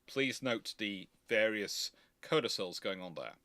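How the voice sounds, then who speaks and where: A man's voice: fairly low pitch, expressive, measured pace, sharp tone, no echo. A man giving casual live commentary, explaining things emphatically and repeating himself to qualify each point carefully. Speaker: host of naval history live Q&A.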